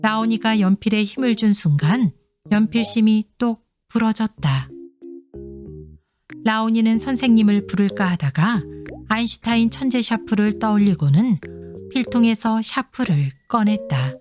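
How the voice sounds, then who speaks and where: A woman's voice: fairly high pitch, moderate pace. A woman narrating a scripted children's story, reading aloud expressively as if to young children. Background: soft instrumental music.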